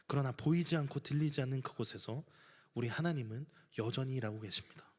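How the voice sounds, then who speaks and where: A man's voice: mid-range voice, fast talker, a little mellow, breathy edge. A man preaching a sermon as pastor, earnest, sometimes acting out everyday scenes. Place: church sanctuary. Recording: church hall reverb.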